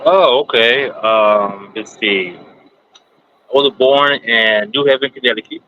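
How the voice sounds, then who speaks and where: Halting man guest, lo-fi sound. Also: medium pitch. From United States, Kentucky. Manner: halting, many ums, plainspoken. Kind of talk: interview answers. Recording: dull lo-fi sound, faint background noise.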